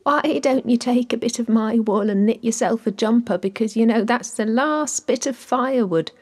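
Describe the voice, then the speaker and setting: A woman's voice: a little high, moderate pace, a little mellow, husky. A woman voicing a meek, chatty white woolly sheep in a storybook tale. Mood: helpful.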